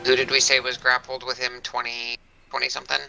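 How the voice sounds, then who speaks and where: A man running an online tabletop game as game master, halting and thinking aloud as he goes. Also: mid-range voice, monotone, vocal fry, over music, low-quality recording.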